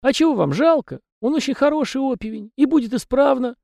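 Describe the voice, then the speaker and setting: A man's voice: extremely high pitch, lively intonation, brisk, vocal fry, a little mellow, no echo, studio quality, pitched above the performer's own voice, full character voice. A man voicing a small, talkative male house spirit with rustic, folksy peasant speech. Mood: insistent.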